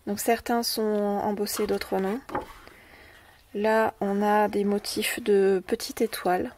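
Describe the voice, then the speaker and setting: French-accented woman, craft haul host, halting with fillers, set back from the mic, faint hiss. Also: medium pitch, flat delivery, darkish tone. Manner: hesitant, many "euh" fillers and repeated words. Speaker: scrapbooking video host. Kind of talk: casual show-and-tell of a craft haul. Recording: distant mic with faint noise.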